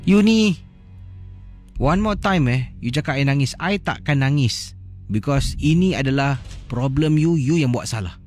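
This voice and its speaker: A man's voice: fairly high pitch, lively intonation, a little fast, hardly any pauses, a little mellow, faint music behind, voice pushed up, lightly acted. Male narrator voicing irritated young woman, snappy scolding fiancée. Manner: scolding, snappy, mixes in English words.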